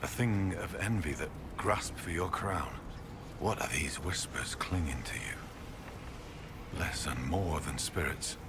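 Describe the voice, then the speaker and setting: Deep, solemn tribal seer. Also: male voice. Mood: mystical, grave. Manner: ceremonial, unhurried, oracular. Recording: clear ambient noise behind voice.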